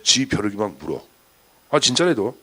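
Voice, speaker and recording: A man's voice: on the low side, very animated, moderate pace, sharp tone. A man giving a chatty exam-prep lecture, firing rhetorical questions at his students.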